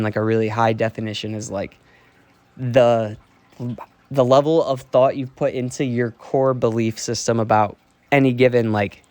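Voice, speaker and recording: A man's voice: medium pitch, darkish tone, clear, resonant tone, no echo. Candid young man rambling into a phone. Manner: candid and rambling, heavy swearing and fillers. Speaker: streamer. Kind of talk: casual rambling monologue. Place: dark basement. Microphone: phone held while walking.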